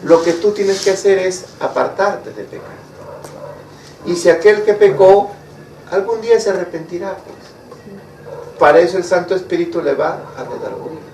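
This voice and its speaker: A man with a high voice preaches slowly, stopping often to ask his listeners rhetorical questions. He is recorded from far off, in a room with a strong echo and faint ambient noise. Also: a little mellow. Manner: asks the congregation rhetorical questions. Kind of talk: sermon. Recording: echoey room, mic far off.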